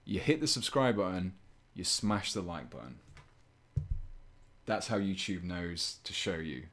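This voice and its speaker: Male streamer, deep and even, relaxed chatty delivery at a painting desk. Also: a little slow. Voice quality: low, fairly monotone voice. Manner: relaxed, chatty, chuckles often, reads chat aloud. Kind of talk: casual live stream chat while painting.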